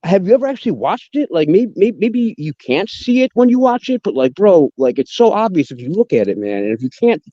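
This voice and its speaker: A man's voice: high voice, very animated, brisk, hardly any pauses, warm tone, dry recording, lo-fi sound. A man in casual chat who talks emphatically, often repeating and stammering over his words. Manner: emphatic, repetitive, stammering appeals.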